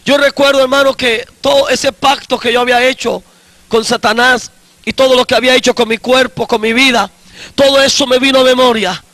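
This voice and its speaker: A man in his forties, an evangelist preaching his own testimony slowly and emphatically, often repeating his phrases. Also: very high-pitched, steady tone, bright, forceful tone, no echo.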